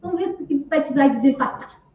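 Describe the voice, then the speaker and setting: A curious male researcher thinking aloud as he plans his interviews, voiced by a woman telling a story. The voice is high, and it comes from far off in an echoey room with a dull sound. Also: quick pace, lightly acted. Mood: musing. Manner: plain storytelling voice, lightly acted.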